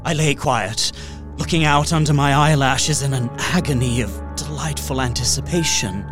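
An actor playing an anxious young man trapped in a castle, narrating a diary in a gothic horror audio drama with dramatic hushed dips and swells. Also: medium pitch, normal speed, over music, close to an everyday voice. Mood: entranced, fearful.

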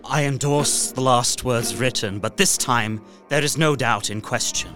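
Actor as an anxious young gentleman diarist, music underneath. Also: mid-range voice, a little slow, natural voice. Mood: uneasy, weary. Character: young Englishman, anxious diarist trapped in vampire's castle. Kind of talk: gothic horror audio drama diary narration.

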